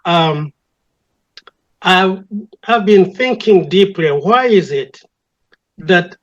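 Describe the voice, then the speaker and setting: An older man with a Ugandan accent, a church elder speaking reflectively and deliberately as an interview guest, repeating phrases for emphasis. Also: sits high, animated, a bit bright, lo-fi sound. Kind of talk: reflective conversation.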